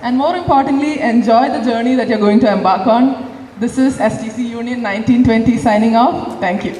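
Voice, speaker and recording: Young student leader, high-pitched, heartfelt farewell speech, recorded from afar in a reverberant hall. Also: female voice, fairly quick, background noise. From India. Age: young adult. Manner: earnest and grateful, listing thanks. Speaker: outgoing student union chair. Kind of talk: farewell speech at a college ceremony. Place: large hall. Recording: echoey hall, distant mic, faint ambience.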